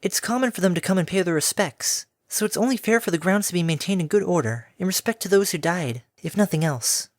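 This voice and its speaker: A man reading an audiobook, voicing a gentle, soft-spoken female pegasus pony in a sweet, breathy way. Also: high voice, lively intonation, a little fast, few pauses, dry recording, studio quality, pitched above the performer's own voice. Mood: gentle somber.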